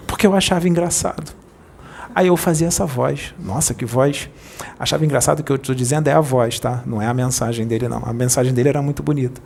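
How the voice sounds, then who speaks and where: A man with a Brazilian Portuguese accent, a spirit medium preaching informally in a playful, jokey way that rushes over his words. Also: medium pitch, gravelly, a little mellow, slight background noise.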